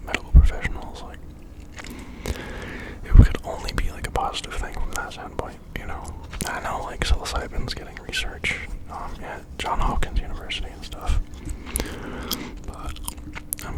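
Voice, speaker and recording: This is an ASMR creator who speaks entirely in a breathy whisper, close to the mic. The delivery is an informal, confiding ramble that starts and stops and keeps checking in with the listener. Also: low-quality recording. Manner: informal, halting, confiding, with frequent tag questions.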